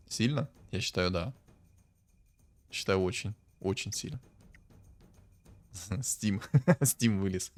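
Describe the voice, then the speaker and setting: A man casually commenting on a strategy game as a streamer, thinking aloud and breaking into bursts of excitement. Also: lowish voice, slow, long pauses, soft background music. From Ukraine.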